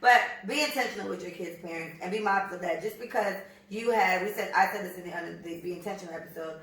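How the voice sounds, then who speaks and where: An American woman in her thirties chats on a podcast, blunt and full of swearing, telling her stories with a lot of energy. She talks fast. Her voice sits back from the mic in a very echoey room. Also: fairly low pitch, recorded from a distance. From United States. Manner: profane, blunt and animated storytelling. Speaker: podcast co-host. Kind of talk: casual chat.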